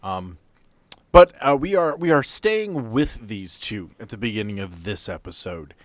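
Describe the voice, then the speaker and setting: A man narrating an improvised tabletop horror game as game master, with theatrical storytelling and dramatic pauses. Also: lowish voice, expressive, no room sound. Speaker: game master, podcast host.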